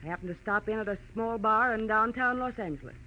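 An actress playing a cool, defensive widow in a 1940s radio melodrama, with an American accent and dramatic, formal delivery. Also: female voice, medium pitch, quick pace, lightly acted. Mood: indignant, defensive. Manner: haughty, dramatic, indignant formality. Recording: dull, noisy old radio recording.

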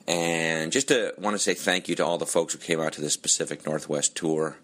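A man's voice: very deep voice, fairly even intonation, brisk, a bit bright. A man hosting a podcast in a casual, rambling way with lots of fillers, his voice nearly gone from touring. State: losing his voice. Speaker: podcast host. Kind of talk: casual podcast intro and plugs.

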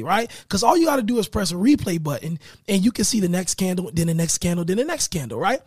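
A man hosting his own podcast in a casual motivational style, with a raspy voice that is giving out, often checking in with his listeners. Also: high-pitched, no room sound, studio quality. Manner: energetic, hyped greetings, repeats "right?". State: losing his voice. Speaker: podcast host.

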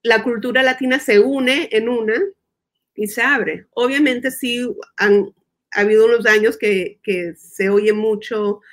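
A woman living in the US appears as a guest expert in a conversational interview, her voice a little high, steady, and unhurried. She explains her ideas with thought, repeating words as she reasons and slipping in English terms.

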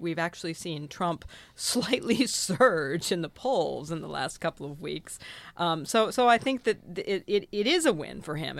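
A woman's voice: deep voice, dry recording. Sardonic woman on a panel. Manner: dry, sardonic, fluent. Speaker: panel guest. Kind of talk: casual panel chat.

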